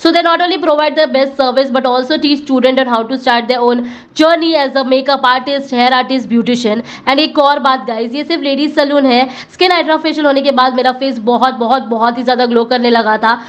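A woman's voice: high-pitched, fairly even intonation, a little slow, muffled recording. An Indian woman vlogger narrating a scripted voice-over, switching between Hindi and English phrases. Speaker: vlogger reviewing a salon.

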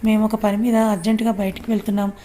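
A woman's voice: mid-range voice, level tone, rapid-fire, warm tone, slight background noise, close to an everyday voice. A woman voicing a worried young man who scolds and pleads with his friend.

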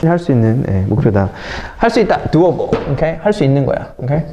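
A man's voice: medium pitch, brisk. Male English teacher in an echoey classroom. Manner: mixes English phrases into lively explanation, addresses students as kids. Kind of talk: classroom vocabulary lecture. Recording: echoey classroom with faint noise.

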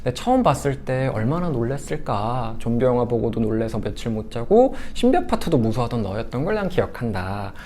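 A gentle parent, put on by a male lecturer, comforts a frightened child. The voice is soft and soothing, with pitch that moves around a lot. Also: very animated, brisk, hardly any pauses, a little hiss or hum, natural voice.

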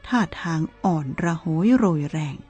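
A woman reading a Buddhist novel aloud in a calm, measured storytelling manner, with soft music behind her. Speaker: narrator.

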